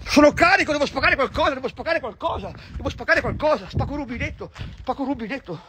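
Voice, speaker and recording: A man, vlogging outdoors on a city street, agitated and swearing constantly, repeating himself with bursts of shouting. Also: very high voice, animated, fast, slight background noise. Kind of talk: ranting street vlog.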